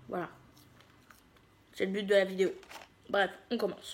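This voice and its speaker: A woman with a slight southern French accent talks at a moderate pace in a medium pitch. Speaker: YouTuber. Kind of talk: casual chat while eating (mukbang). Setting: at home at a table, partner beside her. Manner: chatty, eating sounds, mouth full at times.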